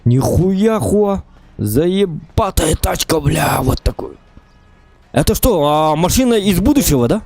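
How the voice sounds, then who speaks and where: Lively, higher-voiced man streaming a game. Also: a little slow, no room sound, soft background music. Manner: playful, inquisitive, repeats himself. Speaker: live streamer role-playing in an online game. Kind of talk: casual improvised in-game chat.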